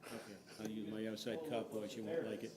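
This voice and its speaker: A man from the with a low voice, asking plain-spoken questions as a board member at a town meeting. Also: flat delivery, fast talker, darkish tone.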